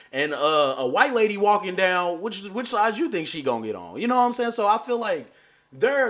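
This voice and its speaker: A man hosting a reaction video, talking in a loose, animated way and laughing through his points. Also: high-pitched. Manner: animated, keeps saying "you know what I'm saying". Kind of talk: casual chat.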